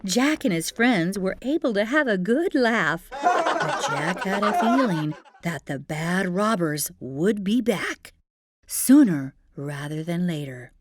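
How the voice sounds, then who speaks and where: A woman's voice: medium pitch, sing-song, takes it slowly. A woman hosting a children's storytime, narrating expressively with playful, chatty asides to young listeners. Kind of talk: expressive fairy-tale narration. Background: music.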